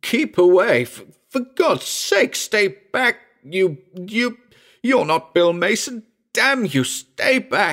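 Putting on a croaky character voice, a man speaks at a very slow pace in a high pitch with very wide pitch swings. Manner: terrified, desperate.

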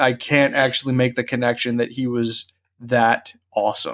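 On a very clean recording with a silent background, a man with an ordinary speaking voice talks at a moderate pace and medium pitch. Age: 30s. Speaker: podcast co-host. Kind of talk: casual chat.

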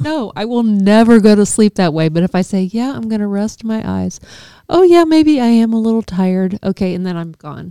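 On a very clean recording with a silent background, a woman speaks in a dark, mellow tone with lively intonation. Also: medium pitch for a woman, moderate pace, dry, close sound with no echo. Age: 30s. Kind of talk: casual chat.

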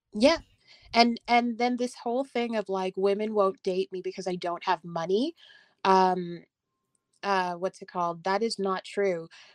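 A woman's unremarkable speaking voice at medium pitch, fairly slow in pace, with ordinary pitch variation and a dry, close sound without echo. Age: 20s. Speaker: caller. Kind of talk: casual chat. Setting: call-in to live stream.

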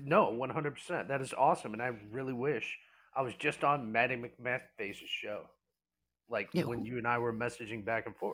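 At a moderate pace, a man speaks in a normal speaking voice with a medium pitch and ordinary pitch variation. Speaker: guest co-host. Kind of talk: casual chat.

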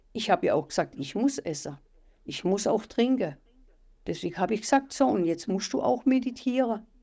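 A woman's fairly high voice carries vocal fry, a dark, mellow tone and very wide pitch swings. She keeps a moderate pace on a very clean recording with a silent background. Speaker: meditation community member. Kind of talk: personal testimony interview.

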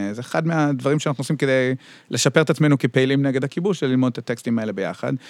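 Speaking very fast at a medium pitch with ordinary pitch variation, a man is heard in a very clean recording with a silent background and a dry, close sound with no echo. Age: 40s. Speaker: political activist and author. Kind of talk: long-form interview conversation. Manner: hesitant, many fillers and restarts.

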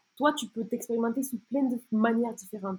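At a moderate pace, a woman talks in an ordinary speaking voice with a fairly high pitch. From France. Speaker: travel content creator. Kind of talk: casual chat.

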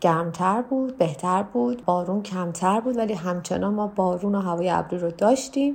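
A woman speaks at a moderate pace in a normal speaking voice. Her pitch is medium, and her intonation is lively. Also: hardly any pauses. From Iran, Tehran. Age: 30s. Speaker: immigrant interviewee. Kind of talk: interview.

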